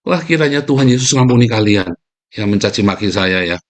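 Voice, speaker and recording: A man preaching in a livestreamed sermon, combative and scornful, who keeps addressing his listeners directly and jumps up in pitch when he denounces his opponents. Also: expressive, a little fast. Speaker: pastor.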